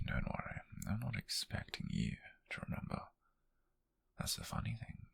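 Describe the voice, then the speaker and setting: A man acts out a possessive British admirer in an intimate ASMR roleplay. His voice is slow and extremely gravelly, sliding between breathy whispers and low murmurs with big swings in pitch. He speaks close to the microphone, halting and intense, fixated on the one he loves. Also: heavily acted. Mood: soft, possessive.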